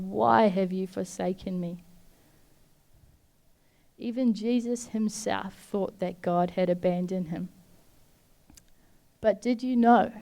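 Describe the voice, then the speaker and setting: A woman giving an earnest devotional talk, speaking straight to the listener in a heartfelt, gently urging way. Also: mid-range voice.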